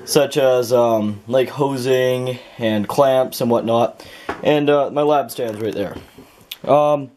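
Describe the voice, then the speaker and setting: A man's voice: medium pitch, a little mellow. Young Canadian man, casual and rambling. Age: young adult. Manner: informal, rambling, self-correcting. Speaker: host of a home chemistry channel. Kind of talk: casual vlog, unscripted lab tour. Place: small home bedroom with a makeshift lab.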